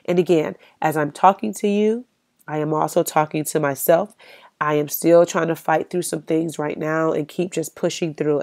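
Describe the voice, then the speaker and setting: A woman's voice: deep voice, darkish tone, no echo, studio quality. A woman in her thirties hosting a solo podcast, talking earnestly and encouragingly and repeating herself for emphasis. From United States. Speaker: podcast host.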